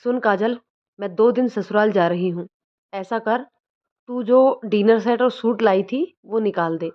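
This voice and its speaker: A woman's voice: medium pitch, a little slow, close to an everyday voice. A woman voicing a scheming sister-in-law who gives bossy, entitled orders, in a dull lo-fi recording.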